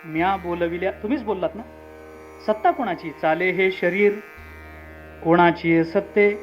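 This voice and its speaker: Male preacher as Subhadra: a calm, reasoning mother in grief, somewhat high voice, dull sound, soft music behind. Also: normal speed, lightly acted. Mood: composed. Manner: composed, reasoning, rising insistence. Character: Subhadra, a calm grieving mother of a fallen son. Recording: muffled with faint instrumental music.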